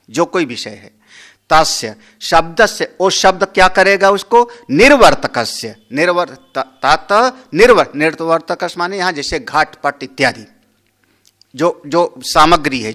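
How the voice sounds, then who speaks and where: A man's voice: on the high side, pushed and bright. A man, a Hindu swami, giving a scriptural discourse, explaining a Sanskrit verse word by word and asking and answering his own questions.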